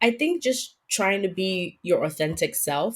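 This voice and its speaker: A somewhat breathy woman's voice, very cleanly recorded against a silent background. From England and Ghana, moved to the US young. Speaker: nurse practitioner. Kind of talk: interview conversation.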